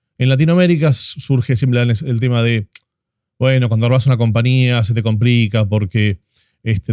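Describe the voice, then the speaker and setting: Speaking with a Rioplatense accent, this man keeps a medium pitch. His intonation is fairly even and his pace moderate. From Argentina. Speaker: podcast host. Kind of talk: podcast interview.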